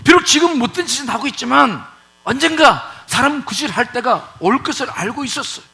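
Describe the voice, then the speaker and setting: Male pastor, sermon, high pitch, bright tone, animated delivery, rhetorical questions, church. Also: a little fast, creaky. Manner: rhetorical questions, emphatic repetition. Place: church sanctuary.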